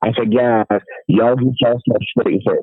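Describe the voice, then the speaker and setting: With a medium pitch, a man speaks at a moderate pace. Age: 60s. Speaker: caller, father of a scam victim. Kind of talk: phone-in testimony. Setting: phone call. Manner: halting. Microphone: phone line, echo at first.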